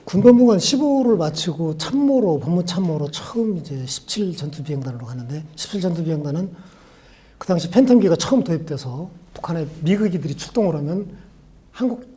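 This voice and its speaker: An older man from Jeolla, South Korea, in his sixties, telling stories from his life at a farewell lecture. His voice is mellow and dark with a husky edge, and he unfolds each anecdote in a reflective, conversational way. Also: on the high side, lively intonation, fairly quick. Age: 60s. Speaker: law professor. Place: university lecture room.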